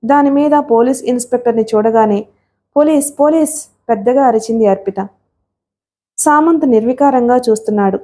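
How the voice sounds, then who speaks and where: Female audiobook narrator, mellow higher voice, expressive dramatic novel reading. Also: brisk. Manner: steady, expressive storytelling.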